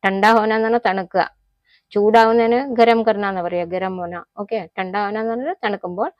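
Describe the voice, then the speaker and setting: A woman with a Malayali accent, a native Malayalam speaker, teaching everyday Hindi phrases in a casual lesson, explaining them slowly and repeating each example. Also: medium pitch, steady tone, no echo, dull audio. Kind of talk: casual spoken-language lesson.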